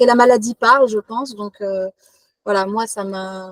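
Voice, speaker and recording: Fairly high in pitch, a woman has an unremarkable speaking voice with fairly even intonation, recorded dry and close with no echo. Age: 30s. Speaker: author and ceremony officiant. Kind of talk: interview testimony. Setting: podcast.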